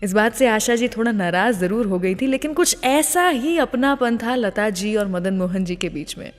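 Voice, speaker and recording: A woman radio host telling anecdotes to listeners in a lively way, posing questions and then answering them. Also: on the high side, moderate pace, big-room sound. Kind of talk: radio presenting, anecdotal storytelling.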